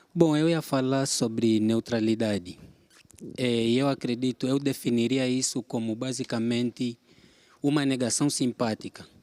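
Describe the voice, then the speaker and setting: Speaking at a fairly slow pace with an Angolan accent, a man has a dark, mellow tone and fairly even intonation, recorded with a dry, close sound and no echo. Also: medium pitch for a man. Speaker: audience participant. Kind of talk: group discussion.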